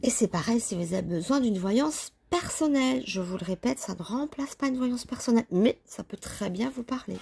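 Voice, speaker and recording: Gravelly-voiced woman doing a tarot reading. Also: a little high, expressive, normal speed, few pauses, a little mellow. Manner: chatty, talks to herself while handling cards. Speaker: tarot reader. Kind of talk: casual tarot reading to camera.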